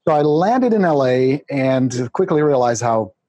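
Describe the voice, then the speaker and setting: A man's voice: mid-range voice, lively intonation, measured pace, mellow, dry recording, highs cut off. A middle-aged man with a Czech accent, a podcast guest who chats energetically, jokes about himself and laughs often. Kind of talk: casual interview chat.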